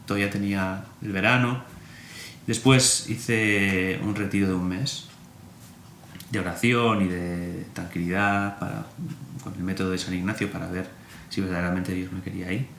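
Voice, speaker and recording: Priest, male, low register, lively storyteller; recorded in a roomy space. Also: moderate pace, creaky. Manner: animated storyteller, acts out remembered dialogue. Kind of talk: personal storytelling interview. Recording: roomy echo, faint room hum.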